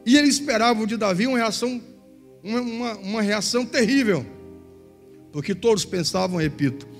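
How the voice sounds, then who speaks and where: Man, Southern Brazilian pastor, sermon, high voice, animated storytelling, long church reverb, faint music. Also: brisk. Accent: Southern Brazilian Portuguese. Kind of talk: sermon with acted-out anecdotes. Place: large church hall.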